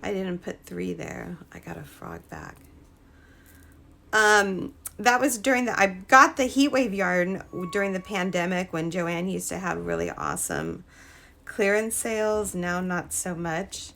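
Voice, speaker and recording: A woman hosting a casual live crochet stream, chatting with viewers, her voice a little hoarse from a cold. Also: on the low side, sing-song, a little slow, a bit bright. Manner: chatty, greets viewers, trails off and restarts. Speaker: crochet livestream host.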